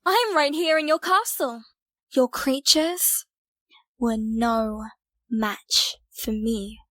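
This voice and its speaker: A woman playing a young heroine in an audio drama, speaking in a deliberate way. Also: sits high, a bit bright, no room sound. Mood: defiant. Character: defiant young heroine confronting a villain.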